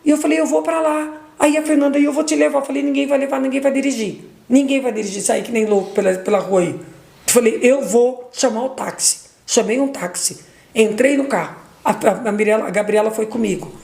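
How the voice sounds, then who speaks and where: A middle-aged woman giving an emotional testimony as a mother, retelling dialogue, repeating words, her voice leaping high at intense moments. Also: brisk, vocal fry, a little mellow, echoey room.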